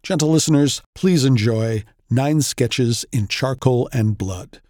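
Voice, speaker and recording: A man's voice: medium pitch, takes it slowly, dark tone, dry recording, clean studio sound. A man hosting a story podcast, delivering a scripted introduction. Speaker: podcast host. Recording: faint music under the voice. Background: faint music.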